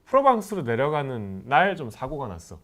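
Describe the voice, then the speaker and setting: A man's voice: medium pitch, moderate pace. A man in his forties, a podcast host, casually telling a long personal story in a chat. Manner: animated, rises sharply when recalling anger.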